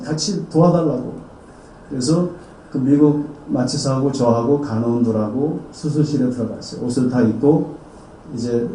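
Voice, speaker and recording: A man's voice: mid-range voice, dark tone. Guy pastor preaching a story, voice kinda distant, faint room noise behind. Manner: dramatic storytelling, acting out quoted voices. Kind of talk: sermon testimony. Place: church hall. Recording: roomy, distant sound with faint ambience.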